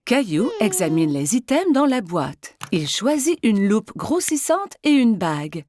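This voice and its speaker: A woman narrating a scripted children's story in an expressive storytelling manner. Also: medium pitch, measured pace.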